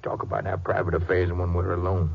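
An actor playing a jealous, nervously defensive American husband in a 1950s western radio drama, talking in a self-justifying way. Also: male voice, low-pitched, completely flat delivery, brisk, creaky, husky, full character voice. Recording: muffled old-time radio recording.

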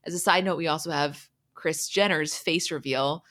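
Lower-pitched woman, casual podcast recap. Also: moderate pace, a bit bright. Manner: conversational, retells quoted dialogue scene by scene. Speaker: podcast host.

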